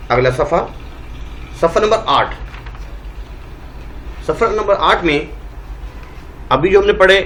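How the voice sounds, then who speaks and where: A man from Pakistan with a Pakistani Urdu accent, teaching Quran reading and sounding out letters and vowels slowly one by one. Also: a little high, fairly bright tone, slight background noise, rough recording. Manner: slow, drawn-out letter-by-letter sounding. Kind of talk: spelling-out recitation lesson.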